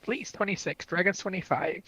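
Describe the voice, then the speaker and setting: A man's voice: sits high, moderate pace, sharp tone, slightly rough. A man in his early twenties chatting casually in a group, teasing and full of questions. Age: early 20s. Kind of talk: casual group chat on a livestream.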